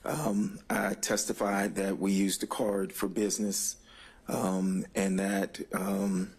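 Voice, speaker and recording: A man testifying as a witness in court, speaking formally in a guarded, hesitant and deliberate way. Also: low voice, little pitch movement, a little mellow, breathy edge.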